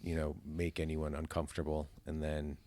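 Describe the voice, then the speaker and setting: A man's voice: a bass voice, monotone, normal speed, darkish tone, slight background noise. An American man chatting casually as a podcast guest, with a dry, wry, self-deprecating way of talking. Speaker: podcast guest, amateur actor. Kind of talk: casual chat.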